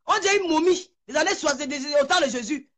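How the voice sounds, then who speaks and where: A woman's voice: high voice, quick pace, a bit bright. A woman in a heated online video rant, furious and shaking with anger, hurling insults and stammering over repeated words. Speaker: social media personality.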